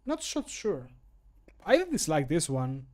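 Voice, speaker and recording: A man's voice: a little high, huge pitch swings, takes it slowly, a little mellow. A man on a live stream at his home desk, talking casually and mocking himself as he records and judges his own voice takes on a desk microphone. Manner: self-mocking, chatty, talks through each retake. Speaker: streamer recording voice lines for a game mod. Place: home room at a computer desk.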